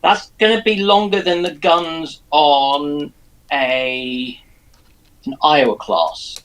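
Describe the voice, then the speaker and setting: A man's voice: on the high side, slow pace, fairly bright tone, low-quality recording. A man co-hosting a live chat, thinking aloud and joking as he talks.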